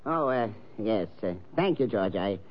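A man's voice: on the low side, expressive, measured pace. An actor playing a nervous, stammering old male art collector in a 1940s radio drama. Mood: flustered. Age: older. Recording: dull old radio broadcast with faint hiss.

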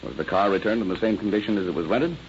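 Brief: a firm interrogating cop, old muffled radio sound with faint noise. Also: male voice, low-pitched. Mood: commanding. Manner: firm, commanding, measured. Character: firm male police captain, stern and patient. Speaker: police detective. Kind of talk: 1930s radio drama acting.

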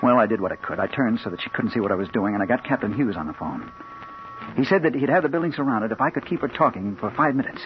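Hard-boiled crime reporter, tense narration, played by a man, animated, old radio. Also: fairly low pitch, fast, noisy background, close to an everyday voice. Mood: brooding. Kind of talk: 1940s radio acting. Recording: dull old radio broadcast.

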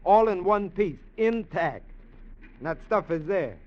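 A pushy small-time crook. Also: male voice, sits high, expressive, measured pace. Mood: scheming. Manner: chatty street slang, pushy. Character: small-time male burglar, eager fast-talking schemer. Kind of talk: 1950s radio drama acting. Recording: dull old radio recording.

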